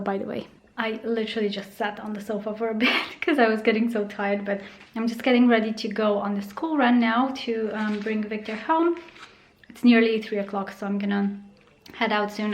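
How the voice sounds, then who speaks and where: A young pregnant woman chatting casually to camera in her vlog, gushing and filling pauses with "um". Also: medium pitch, darkish tone, echoey room. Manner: chatty, gushing, many fillers. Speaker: vlogger.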